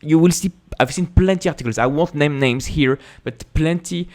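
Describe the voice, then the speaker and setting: A man's voice: a little high, normal speed, a little mellow. A man with a French accent, a native French speaker, host of an investing channel, talking to camera in an emphatic way with rhetorical questions. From France. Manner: emphatic, repeats words and restarts, rhetorical questions. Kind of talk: casual explanatory talk to camera.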